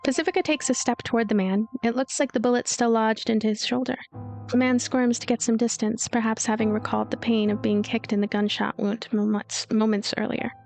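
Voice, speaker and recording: Higher-pitched woman narrating a story game. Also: little pitch movement, a little fast, vocal fry, darkish tone, soft background music. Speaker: let's player narrating a visual novel. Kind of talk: voiced story narration with light commentary.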